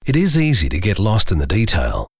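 A man's voice: lowish voice, huge pitch swings, a little fast, darkish tone, husky, dry recording, clean studio sound. Australian man, hugely varied commercial voice-over. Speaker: voice-over artist. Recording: music bed behind voice. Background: music.

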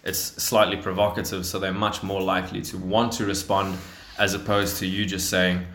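A low-voiced man talks as a casual co-host, backing up his partner with emphatic agreement and explaining his points in quick bursts. His voice carries a noticeable echo from the room he is in. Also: flat delivery, a bit bright, slight background noise. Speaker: dating coach. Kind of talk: casual instructional podcast chat.

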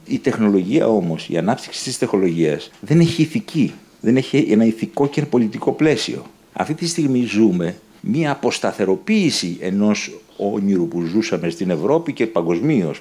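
A man's voice: low voice, dark tone. A man speaking as a panelist, reflective and earnest. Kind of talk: panel discussion.

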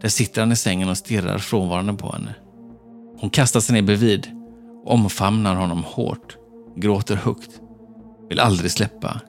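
A man narrating a horror story in a tense, measured storytelling manner. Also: lowish voice, fairly even intonation, creaky. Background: faint background music.

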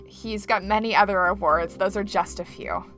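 A woman's voice: medium pitch, moderate pace, a bit bright, faint music behind. A woman co-hosting a podcast, introducing a guest and asking him questions with effusive enthusiasm. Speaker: podcast co-host.

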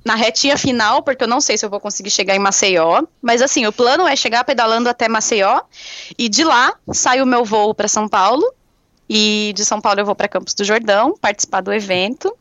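A woman guest chatting casually on a podcast, cheerful, laughing often and sharing her news with excitement. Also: fairly high pitch, fairly quick, no echo. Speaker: guest, touring cyclist. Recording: dry, dull lo-fi sound.

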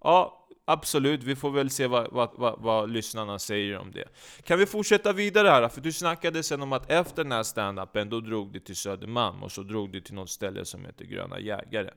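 A man hosting a comedy podcast, speaking low and dry with teasing questions. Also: gravelly, fairly bright tone. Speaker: podcast host. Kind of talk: casual comedy podcast chat.

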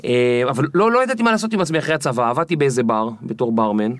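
A man guest on an interview podcast, telling stories in a lively way and acting out the people in them. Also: mid-range voice, dry recording. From Israel. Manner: animated, acts out the people in his stories. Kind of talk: storytelling interview.

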